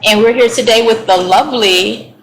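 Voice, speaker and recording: A woman's voice: fairly high pitch, normal speed, a little hiss or hum, rough recording. A woman co-hosting a podcast, welcoming and questioning her guest with enthusiasm. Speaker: podcast co-host.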